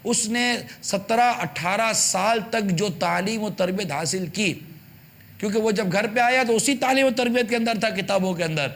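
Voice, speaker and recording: A male preacher gives a televised sermon with a high voice. He presses his points with rhetorical questions and repeated pleas. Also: a bit bright. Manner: emphatic, rhetorical questions, repetition. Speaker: religious preacher on TV channel. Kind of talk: television sermon addressing parents.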